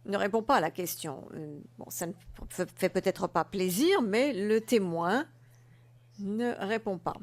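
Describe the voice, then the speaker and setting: A woman's voice: medium pitch, expressive, a little slow. A woman speaking formally in a courtroom, raising an objection about a witness.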